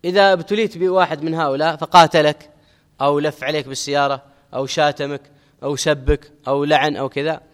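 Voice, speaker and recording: A middle-aged man teaching an Islamic religious lesson, explaining a text and quoting scripture, with measured teaching and key phrases repeated for emphasis. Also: fairly high pitch, steady tone. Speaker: Islamic scholar teaching hadith commentary. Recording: long hall reverb.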